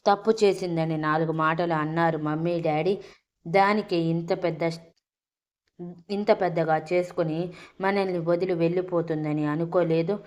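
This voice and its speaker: Woman doing a young sister-in-law, pleading, low voice, storybook. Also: steady tone, normal speed, a little mellow, close to an everyday voice.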